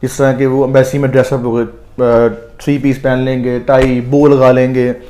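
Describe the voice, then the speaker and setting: A man with a Pakistani accent giving advice as a visa counsellor, explaining at length with frequent hesitant pauses. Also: mid-range voice, little pitch movement, dark tone. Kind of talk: advisory conversation.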